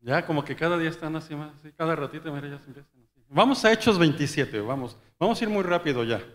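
Guy preaching in a church hall, fast chatty storytelling, lots of reverb. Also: on the high side. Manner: storytelling, quick and conversational, acting out dialogue. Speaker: pastor. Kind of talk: sermon.

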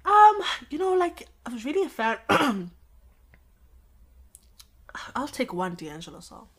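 A woman hosting a casual podcast chat, relaxed and slangy, thinking aloud with fillers. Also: high-pitched, measured pace. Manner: relaxed, slangy, talks through ideas with fillers. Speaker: podcast host. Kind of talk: casual chat about music.

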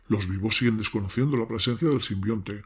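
A man playing a mocking, ghoulish crypt-keeper who theatrically presents horror tales with sardonic glee and a gravelly, raspy voice. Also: lowish voice, brisk. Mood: mock-solemn. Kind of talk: theatrical horror anthology introduction.

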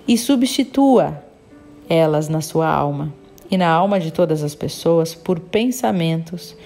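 A calm, wise male healer speaking in measured, earnest pronouncements, as a woman reads him aloud. The voice sits low and mellow. A faint bed of music plays underneath.

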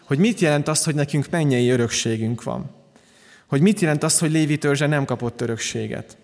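A man delivering a sermon as pastor, calm and earnest, often restarting his phrases. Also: a little high, in a large hall.

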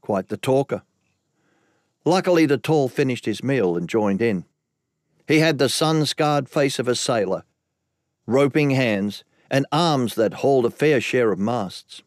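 A man's voice: medium pitch, animated, unhurried, no echo, clean studio sound. A man narrating an audiobook in the first person, telling the story evenly.

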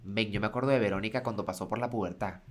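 A man's voice: on the low side, fairly even intonation, very fast. A man with a Venezuelan accent co-hosting a podcast, telling loose, joking stories full of slang in casual chat. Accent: Venezuelan Spanish. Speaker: podcast co-host.

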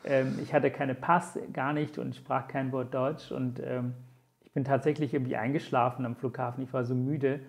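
A man's voice: medium pitch, flat delivery, normal speed, creaky. A man in his forties from Sri Lanka, a native Tamil speaker, telling his story as an interview guest in an earnest, reflective way with many hesitant fillers. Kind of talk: conversational storytelling.

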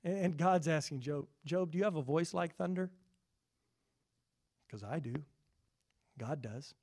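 High-voiced man preaching a sermon. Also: unhurried. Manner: earnest preaching, rising loud on scripture, dropping quiet for asides. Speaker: pastor.

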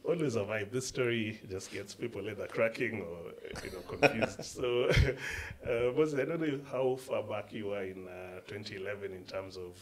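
Very deep-voiced man telling a story. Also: moderate pace, hardly any pauses. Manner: laughs often, storytelling, relaxed. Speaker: startup founder and CEO. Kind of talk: podcast interview answers.

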